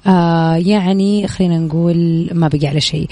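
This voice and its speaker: A woman's voice: on the low side, steady tone, brisk, mellow, dry recording. A woman hosting a music chart show like a late-night radio DJ, chatty and informal, dropping English words into her talk. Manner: mixes English words and phrases into speech.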